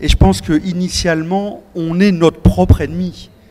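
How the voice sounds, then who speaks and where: This man talks at a fairly slow pace with ordinary pitch variation. Noticeable background noise runs behind him. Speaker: company executive, conference speaker. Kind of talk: conference panel testimony. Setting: conference with audience. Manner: hesitant, many fillers.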